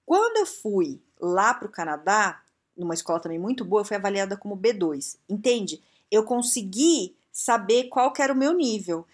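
A woman's voice: mid-range voice, very animated, moderate pace. A woman from Brazil giving frank, blunt career advice straight to the viewer, full of rhetorical questions. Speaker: career and English-learning advice speaker. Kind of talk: casual direct-to-viewer advice talk.

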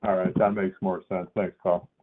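Male analyst caller, slightly deep voice, halting think-aloud questioning, narrow phone-line audio. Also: flat delivery. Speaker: financial analyst asking questions. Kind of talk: earnings call questioning. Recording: band-limited phone line.

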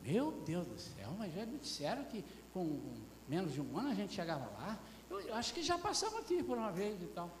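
A man's voice: high voice, sing-song, a little fast, hardly any pauses, reverberant, long reverb tail, a little hiss or hum, pitched above the performer's own voice. A man voicing a weary Israelite man grumbling about the long desert journey. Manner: complaining, exasperated sighs.

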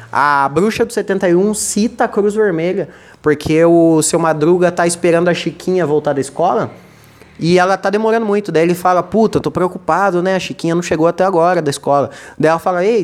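A man's voice: a little high, a little mellow. Rambling, stammering Brazilian man. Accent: Brazilian Portuguese. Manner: rambling, stumbles and repeats words, jokey. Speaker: podcast host. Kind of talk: casual comedic monologue.

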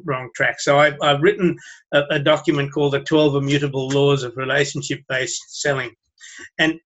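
A man from Sri Lanka giving interview answers in a halting way, repeating his words and chuckling often. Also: a little high, fairly bright tone, dull audio. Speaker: guest.

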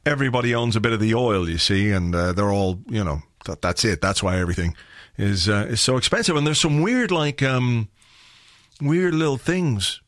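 Irish male podcast host, slightly croaky, rambling and wry, dry booth sound. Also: mid-range voice, normal speed, fairly bright tone, no echo. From Ireland. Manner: rambling, wry and chatty, with filler words. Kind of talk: casual solo podcast chat.

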